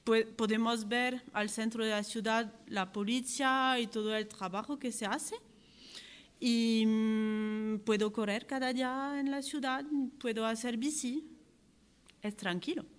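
A woman from France, a native French speaker with a French accent, giving an informal, halting speech as an athlete at a press conference. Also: fairly high pitch, fairly even intonation, smooth. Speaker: ultra-endurance athlete.

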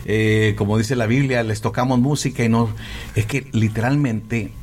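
A man's voice: mid-range voice, steady tone, normal speed, darkish tone, a little hiss or hum. A man hosting a Christian interview program, affirming and encouraging toward his guest. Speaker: host.

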